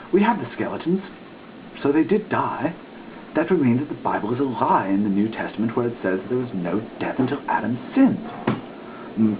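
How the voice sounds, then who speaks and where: Tinny lo-fi audio w faint noise, guy doing a theatrical reading of religious text, deliberate and emphatic. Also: medium pitch. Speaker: reader. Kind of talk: dramatic reading of a religious dissertation. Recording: muffled lo-fi phone-like sound, background hiss.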